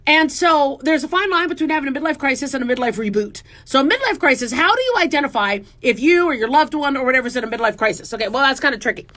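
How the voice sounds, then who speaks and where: Bright, high-voiced woman radio host. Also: fast talker, few pauses. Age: 40s. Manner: chatty, self-mocking, lively and joking. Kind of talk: casual talk radio monologue.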